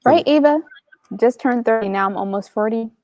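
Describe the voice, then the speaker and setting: A woman's voice: on the high side, moderate pace, darkish tone, dry recording. A woman co-hosting a casual chat in a church sanctuary, light and teasing. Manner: light, teasing, laughs often.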